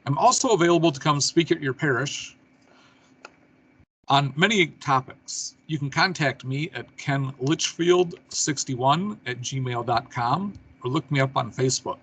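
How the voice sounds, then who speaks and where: A man's voice: mid-range voice, measured pace, a bit bright, husky, poor audio. A middle-aged man hosting an online talk show, speaking in an easygoing, friendly way. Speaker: show host.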